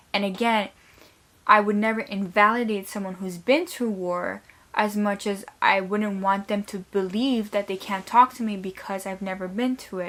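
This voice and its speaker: A woman's medium-pitched voice with a non-native accent and fairly even intonation, on a very clean recording with a silent background. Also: moderate pace. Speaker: mental health and lifestyle vlogger. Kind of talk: casual vlog monologue. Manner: conversational, with fillers like 'you know'.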